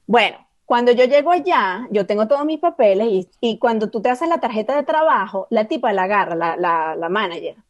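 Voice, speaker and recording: A woman, a podcast guest telling animated stories and slipping into English phrases. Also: on the high side, brisk, hardly any pauses, no echo, muffled recording. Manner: animated, mixes English phrases, acts out voices in anecdotes. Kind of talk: casual storytelling chat.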